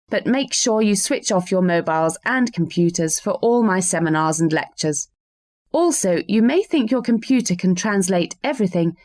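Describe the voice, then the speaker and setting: A woman lecturing new university students in a scripted welcome talk, with dry, teasing humour and clear, deliberate delivery. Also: mid-range voice, a little mellow, no room sound.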